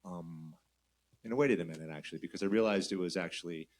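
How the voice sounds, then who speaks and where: Deep voiced guy in his 50s, band guest, telling a story slow and thoughtful. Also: darkish tone. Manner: thoughtful, reflective. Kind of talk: personal storytelling. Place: live show venue.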